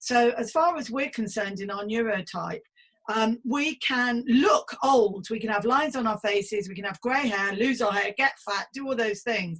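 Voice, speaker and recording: A woman speaks at a moderate pace in an unremarkable speaking voice. Her pitch is fairly high with ordinary variation. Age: 50s. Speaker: podcast host and psychotherapist. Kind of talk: casual interview chat. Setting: podcast recording.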